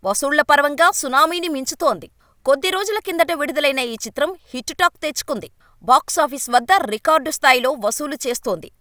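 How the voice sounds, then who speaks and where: Bright high-voiced woman reading news. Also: no echo, clean studio sound. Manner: brisk read-aloud delivery of a written script. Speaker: news narrator. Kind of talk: scripted news voice-over.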